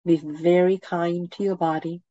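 A woman with a head cold and a nasal voice, leading a guided meditation with gentle, soothing instructions. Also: lowish voice, steady tone, normal speed, dry recording, muffled recording.

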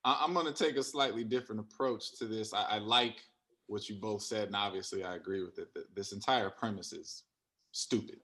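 A man's voice: lowish voice, brisk, sharp tone. A man giving opinionated, casual sports commentary in a blunt, exasperated way, with short emphatic phrases. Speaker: sports talk panelist.

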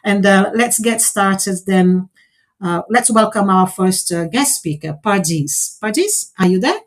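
A woman's voice: medium pitch, animated, a little slow. A woman in her forties, a native Portuguese speaker, hosting an online speaking exercise and explaining it in an encouraging way. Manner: explanatory, encouraging, frequent "right?" tags. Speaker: host of a speaking exercise session. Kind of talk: casual online group session.

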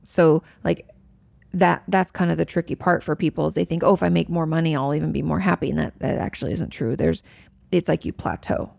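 Gravelly low-voiced woman giving advice. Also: fairly quick, darkish tone, no echo. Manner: chatty, explains with many fillers and restarts. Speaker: therapist answering viewer questions. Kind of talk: casual advice talk.

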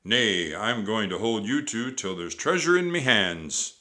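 Big mean pirate captain done by a male reader, growly roaring orders, forceful and bossy, storybook style. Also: lowish voice, animated, measured pace. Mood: gloating, contemptuous. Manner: roaring, gloating, pirate dialect. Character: loud cruel bullying pirate captain, adult man.

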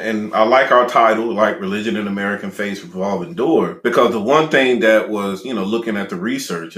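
A middle-aged man co-hosting a casual panel talk show, animated and quick to laugh and tease. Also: fairly low pitch. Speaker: podcast co-host. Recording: roomy echo.

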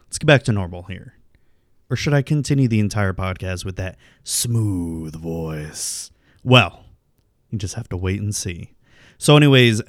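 A man's voice: lowish voice, dry recording, clean studio sound. A man hosting a casual solo podcast, rambling through plugs and game talk with lots of ums. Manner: rambling, filler-heavy, self-deprecating. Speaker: podcast host.

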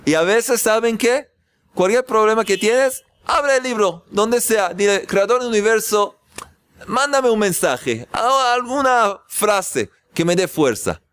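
A man teaching a spiritual class, telling stories and acting out shouted scenes, repeating key phrases for emphasis. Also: a little high, smooth, no echo. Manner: animated storytelling, acts out shouted scenes. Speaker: religious teacher.

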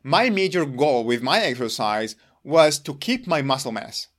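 A man's voice: medium pitch, sing-song. Earnest man, Hebrew his first language. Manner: earnest, emphatic, deliberate. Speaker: longevity vlogger. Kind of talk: explaining personal routine to camera.

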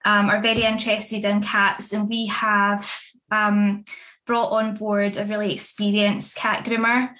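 A woman's voice: medium pitch, level tone, a little slow, sharp tone. Woman, casual interview chat, fillers, laughs often. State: pregnant. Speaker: dog grooming academy founder and author.

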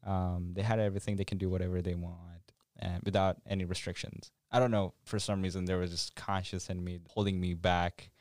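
A young man in his twenties from Korea co-hosts a chatty podcast. His voice sits very low and deep, and he thinks aloud with relaxed hesitations. The recording is dry and close. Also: brisk, dry recording. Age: 20s. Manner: relaxed, reflective, with hesitations and laughs. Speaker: podcast co-host. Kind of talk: casual conversational podcast.

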